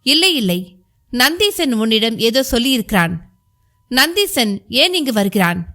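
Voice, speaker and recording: A man's voice: very high-pitched, big pitch swings, moderate pace, bright, forceful tone, full character voice. A woman reading a stern, suspicious music master. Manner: scolding, demanding questions.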